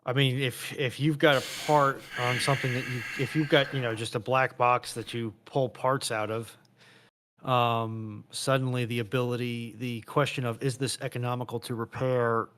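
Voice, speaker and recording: A man's voice: medium pitch, little pitch movement, normal speed, a bit bright, slight background noise. A man taking part in a casual panel discussion as a guest.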